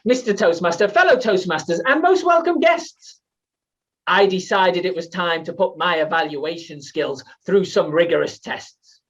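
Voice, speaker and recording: A man's voice: high-pitched, fairly bright tone, recorded from a distance, dull audio. A British man performing rehearsed comic storytelling in rhyme as a competition speaker, with a theatrical manner.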